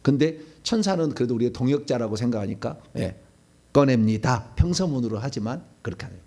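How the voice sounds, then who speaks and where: A middle-aged male pastor giving a sermon, preaching animatedly and acting out demons' pleas and shouted commands. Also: medium pitch, lively intonation, a little fast.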